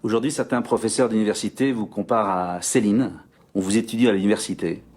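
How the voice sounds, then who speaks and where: A man who conducts a formal face-to-face interview, asking measured, polite questions. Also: on the low side, fairly even intonation, darkish tone.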